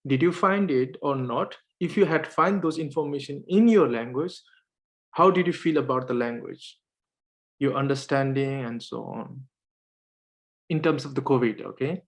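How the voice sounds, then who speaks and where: A man moderates a panel over a video call, his voice at a middling pitch. His first language is Nepali, and he talks hesitantly, with lots of fillers and restarts. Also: normal speed.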